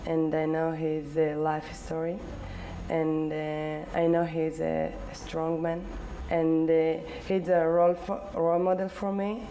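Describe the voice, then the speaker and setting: Soft-spoken young woman, halting English. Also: deep voice, completely flat delivery, slight background noise. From Ethiopia. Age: 20s. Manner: halting non-native English with many fillers. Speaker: interviewee. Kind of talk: interview answers. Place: indoor living room.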